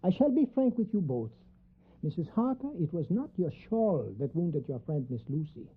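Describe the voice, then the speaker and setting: A woman playing a grave, commanding professor who hunts vampires, speaking formally and deliberately in a radio drama. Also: on the low side, very animated, slightly rough, exaggerated voice. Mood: grave, explanatory. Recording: tinny, narrow band like phone line.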